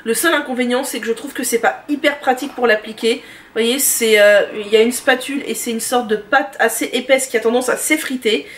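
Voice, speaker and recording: In a casual at-home product review, a woman who vlogs about beauty and lifestyle speaks in a high, steady voice, full of chatty enthusiasm and frequent little fillers. She sits back from the microphone, with slight background noise.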